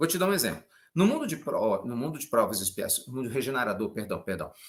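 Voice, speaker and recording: Speaking very fast, a man with a Brazilian accent swings his pitch very widely. His voice carries vocal fry. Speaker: spiritist teacher and financial coach. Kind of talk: religious study lecture. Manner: animated.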